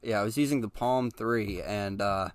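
A man hosting a casual solo podcast, talking to listeners directly in a relaxed, chatty way with frequent ums and restarts. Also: fairly low pitch, normal speed, smooth, no room sound. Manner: addresses listeners directly and informally. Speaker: podcast host.

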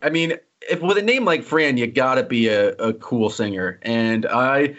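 A man hosting a casual sports podcast, teasing his co-host and joking as he moves quickly through topics. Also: medium pitch, animated, a bit bright. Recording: slightly dull lo-fi audio.

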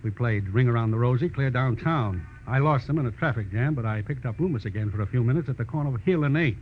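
A man's voice: mid-range voice, animated, quick pace, soft background music, natural voice. Man playing a cagey old radio tough guy. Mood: insistent. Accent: American. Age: older. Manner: folksy, needling, calls listener son. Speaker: radio drama actor. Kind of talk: 1940s radio crime acting. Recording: muffled, faintly noisy old radio recording.

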